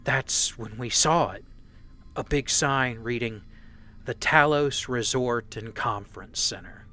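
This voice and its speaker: A man playing a shaken, nervous mercenary foot soldier who gives halting, stammering testimony in a radio play. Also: mid-range voice, pushed and bright. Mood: haunted recollection. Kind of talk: radio play dramatic monologue.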